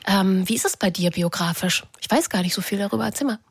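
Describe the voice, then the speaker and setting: A woman in her thirties from East Berlin, co-hosting a call-in radio talk and speaking personally and lively. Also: mid-range voice, fast talker, husky, no echo, studio quality. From East Berlin, Germany. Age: 30s. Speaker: radio host.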